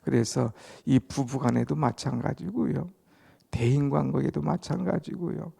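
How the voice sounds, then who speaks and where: A male pastor leads an early-morning sermon, reading scripture and then unpacking it with dramatic emphasis. His voice is strongly gravelly and husky, with a dark, mellow tone set fairly high. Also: measured pace. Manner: reads verses then explains them with dramatic emphasis.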